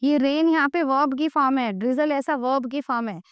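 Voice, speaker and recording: A woman teaching an English grammar lesson, asking her class questions and answering them slowly. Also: sits high, dry recording, highs cut off.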